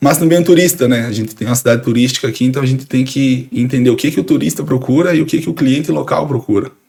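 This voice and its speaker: A man talks at a very fast pace, barely pausing, with ordinary pitch variation. Background noise is noticeable. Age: 20s. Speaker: sushi chef. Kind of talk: podcast interview.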